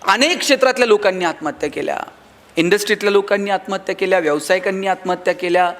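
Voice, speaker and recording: Marathi-accented guy giving a motivational speech, high voice, does little voices for the characters in his stories. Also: rapid-fire, a bit bright. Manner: storytelling, acts out dialogue in other voices. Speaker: motivational speaker.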